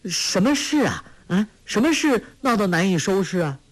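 A man voicing a clever, lively teenage girl who is pert and quick to argue, in a storybook reading. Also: sits high, voice pushed up. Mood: eager.

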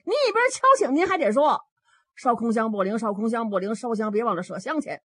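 A woman voicing a young boy Taoist acolyte, a whiny and tearful child, with a shrill, squealing voice in a told story. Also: lively intonation, brisk, breathy edge, no echo. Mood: scolding.

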